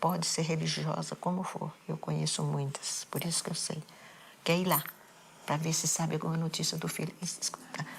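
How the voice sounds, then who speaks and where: Her intonation monotone and flat, a woman with a very deep, low pitch talks at a moderate pace. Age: 70s. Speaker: bereaved mother, interviewee. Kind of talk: interview testimony.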